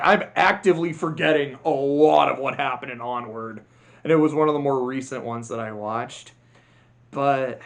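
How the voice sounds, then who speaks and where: A man giving a casual, rambling movie review monologue, candid and prone to self-corrections. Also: medium pitch. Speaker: vlogger.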